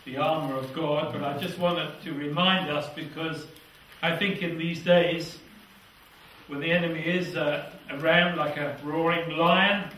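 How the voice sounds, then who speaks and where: Here an older man with a British accent delivers an earnest, fervent sermon and reads scripture in a small church hall, letting his voice fall to a hush at the close of phrases. His tone is a little high and fairly even, his pace measured. Picked up on a lapel mic yet somewhat far off, the recording is echoey and carries slight hiss or hum.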